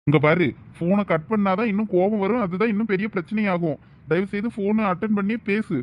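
An actor playing a young senior student who teases the girl and then calmly advises her. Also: high-pitched, fairly quick, muffled recording, natural voice. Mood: reassuring. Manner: teasing, then reassuring and advising. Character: teasing, calm young male senior student. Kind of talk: village comedy skit acting.

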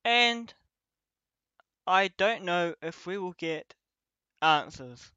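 A man playing a protective young companion leading an escape in an ASMR roleplay, speaking haltingly in short phrases. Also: high voice, lively intonation, bright, forceful tone, clear, resonant tone, no echo, highs cut off, full character voice. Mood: wondering, encouraging.

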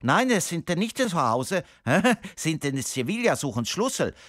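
Nosy foreign burglar for comic phone message, male actor: accented broken speech, high pitch, dry sound. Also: big pitch swings, a little slow, fairly bright tone, no room sound. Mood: sly, chummy. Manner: broken grammar, chummy. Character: nosy foreign burglar minding the house, chummy man. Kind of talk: comic answering machine sketch.

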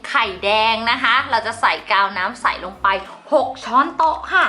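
Woman craft-tutorial host; cheerful chatter, crisp bright tone. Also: a little high, lively intonation, normal speed, faint music behind. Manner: bubbly, polite, talks straight to viewers. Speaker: slime-making channel host.

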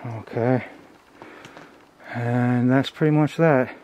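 A man in his thirties narrating a casual exploration vlog as he walks, informal and halting, thinking aloud. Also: medium pitch, steady tone, a little mellow, lo-fi sound. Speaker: host exploring abandoned places. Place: outdoors and inside derelict buildings, walking. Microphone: handheld camera at arm's length. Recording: outdoor camera audio with background noise.

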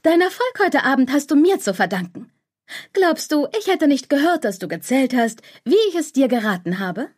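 A woman's voice: high-pitched, big pitch swings, moderate pace, a little mellow, voice pushed up. A woman voicing a clingy, anxious inner voice that nags and stirs up fear in an audiobook. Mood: pushy. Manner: insistent, fearmongering, wheedling.

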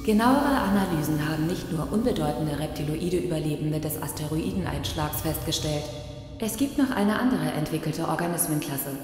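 A cavernous echo surrounds a low-toned female machine intelligence voiced by an actress, with faint music behind. She is the calm, principled archivist of a science fiction radio play and speaks in precise, analytical sentences. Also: moderate pace, close to an everyday voice. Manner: precise, analytical, formal diction. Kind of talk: science fiction audio drama acting.

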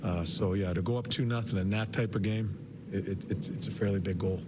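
An older man in his sixties, head coach at a postgame press conference, talks in a fairly low voice, stumbling and repeating words between fillers. He is picked up by a podium mic in an arena press room. A steady hiss of background noise runs under the broadcast feed. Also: fairly quick. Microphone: podium mic, medium camera shot.

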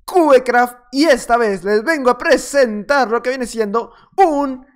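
Over footage of his own gameplay, a man with an extremely high-pitched voice offers unhurried, casual commentary as a gaming video creator. Playful and slightly rambling, he teases the players he battles.

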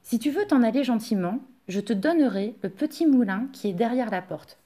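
A woman's voice: fairly high pitch, expressive, moderate pace, mellow. A woman voicing an impatient, commanding king of the dwarves in a storybook tale. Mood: bargaining. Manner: commanding, bargaining.

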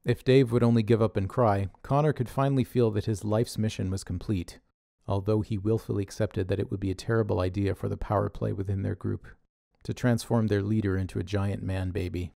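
Man narrating his audio drama, low gravelly voice, wry, dry close mic. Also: steady tone, a little fast, few pauses, warm tone, no echo. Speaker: narrator and writer.

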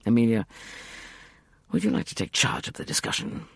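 A suave, sardonic schemer , voiced by a male reader, drawls in a low, unhurried way. His tone has a gravelly texture and a husky grain. It is read close to the mic in a dry space. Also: lively intonation, a bit bright, no room sound. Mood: smooth. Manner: irritating drawl. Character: suave, sardonic middle-aged gentleman schemer.

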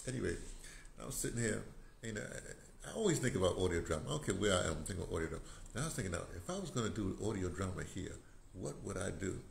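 A man's voice: deep voice, lively intonation, fast. An older man in a casual vlog, rambling and repeating words as he shows his home and patio, filmed on a phone at arm's length. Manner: rambling, repeats words, gestures while explaining. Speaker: vlogger on audio drama. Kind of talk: casual walk-and-talk vlog. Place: small home, then sunny patio outdoors. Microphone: phone camera held at arm's length. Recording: phone recording with clear background noise.

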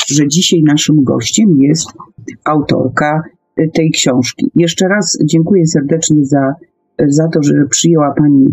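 Halting, creaky-voiced woman interviewer. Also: low-pitched, darkish tone, poor audio. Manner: hesitant, halting, with many pauses and hums. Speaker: host leading the interview. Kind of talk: live radio interview. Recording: faint music behind internet call.

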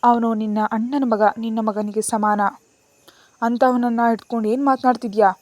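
Storybook figure: woman voicing a grieving old grandmother, mellow tone, sorrowful and pleading. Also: on the high side, flat delivery, normal speed, no echo, natural voice.

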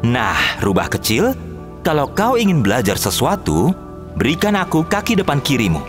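Lady doing a sneaky young musician guy from a cartoon, voice dropped low, bossy and sly. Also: huge pitch swings, moderate pace, soft background music, full character voice. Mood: scheming. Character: cunning young male traveling musician, scheming. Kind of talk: cartoon dub storytelling.

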